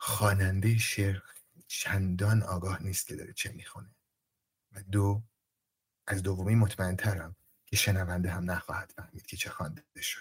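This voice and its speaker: A man's somewhat breathy, fairly low voice at a moderate pace, flat and monotone, with big swings in loudness and long, frequent pauses. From Iran, Mazandaran (Sari). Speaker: artist and translator. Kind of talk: interview.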